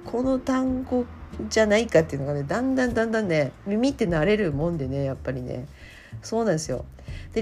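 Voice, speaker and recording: A woman's voice: medium pitch, darkish tone. A woman hosting a casual talk show, chatty with frequent fillers and laughter. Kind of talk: casual chat.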